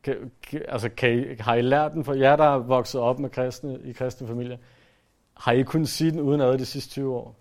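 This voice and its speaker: A man preaching a sermon in an earnest way, pressing his points hard and then letting his voice fall soft. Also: mid-range voice, steady tone. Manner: earnest, rises to emphatic then drops to soft.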